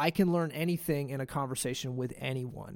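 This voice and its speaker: A plain, everyday voice speaks at a fairly quick pace with ordinary pitch variation. The recording is very clean, with a silent background. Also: man. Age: 30s. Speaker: drum and cymbal maker, drummer. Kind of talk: casual chat. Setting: live recording at a venue.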